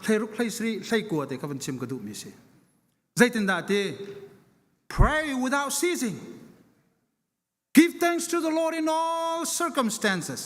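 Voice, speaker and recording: High-pitched, fervent male preacher in echoing hall. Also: very animated, very slow, long pauses, a bit bright. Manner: emphatic, repeats phrases for stress. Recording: long echoing hall reverberation.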